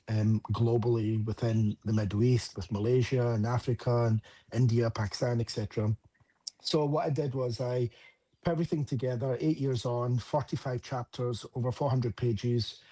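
A man's voice: medium pitch, dark tone, slightly rough. A man with a Scottish accent, a relationship coach talking earnestly at length as an interview guest. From Scotland. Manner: earnest, explanatory, frequent fillers.

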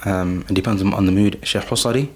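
Fast-talking man reciting and explaining verses. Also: low voice. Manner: fast, flat delivery, switching between chanted Arabic and English explanation. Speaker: podcast guest, Quran reciter. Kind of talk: recitation and casual religious talk.

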